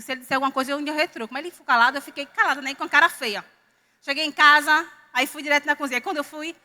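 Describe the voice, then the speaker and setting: Northeastern brazilian woman preaching, high bright voice, long church hall echo. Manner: storytelling with lively quoted dialogue. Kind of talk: sermon.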